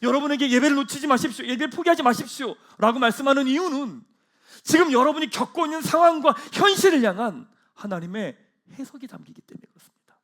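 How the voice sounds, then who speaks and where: Guy pastor preaching sunday service, high lively voice, goes big then drops real quiet. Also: quick pace. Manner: swings from loud proclamation to hushed, low asides. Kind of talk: sermon. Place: church sanctuary.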